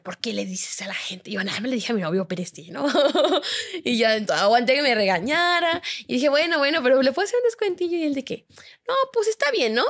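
A young adult woman with a Mexican Spanish accent, telling a gossip story in casual chat and acting out the voices of the people in it. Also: a little high. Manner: animated storytelling, acting out quoted dialogue. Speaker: podcast guest.

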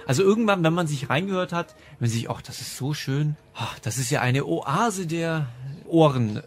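A man's voice: on the high side, expressive, normal speed. A man hosting a podcast, reviewing in a casual, chatty and enthusiastic way with a ready laugh. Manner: enthusiastic, laughs often while talking. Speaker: podcast host reviewing audio dramas.

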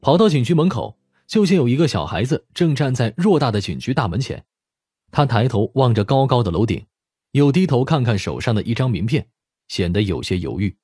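Lively husky male audiobook narrator. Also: mid-range voice, a little fast, no room sound, studio quality. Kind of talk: scripted story narration.

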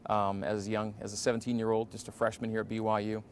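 A man in his forties, a radio announcer, answering interview questions in a relaxed, reflective way with many fillers, in an empty indoor arena. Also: fairly low pitch, quick pace, slight background noise. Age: 40s.

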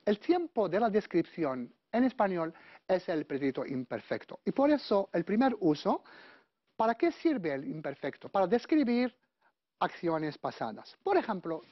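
A woman teaching Spanish grammar, drilling verb forms slowly and checking in with her class. Her voice sits on the low side and swings widely in pitch. The recording is dry and a little dull. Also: dry recording. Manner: slow, deliberate conjugation drills, checking with "¿vale?". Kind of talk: grammar lesson.

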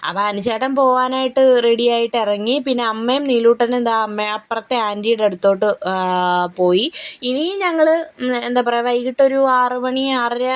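A woman's voice: a little high, fairly even intonation, brisk, dry recording. A young woman narrating her family day in a casual vlog, rambling and chatty with frequent fillers and tag-questions. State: tired and sluggish after a heavy meal. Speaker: family vlogger.

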